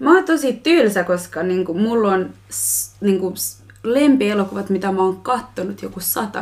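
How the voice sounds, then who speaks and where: Here is a woman with a plain, everyday voice. Her pitch is medium, with ordinary pitch variation. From Rwanda. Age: 20s. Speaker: film club organizer. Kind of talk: casual chat.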